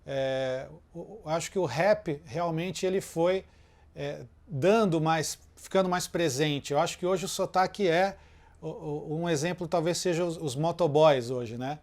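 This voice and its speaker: Man, interviewer, fairly high voice, chatty, many fillers, loose conversation. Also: unhurried, darkish tone.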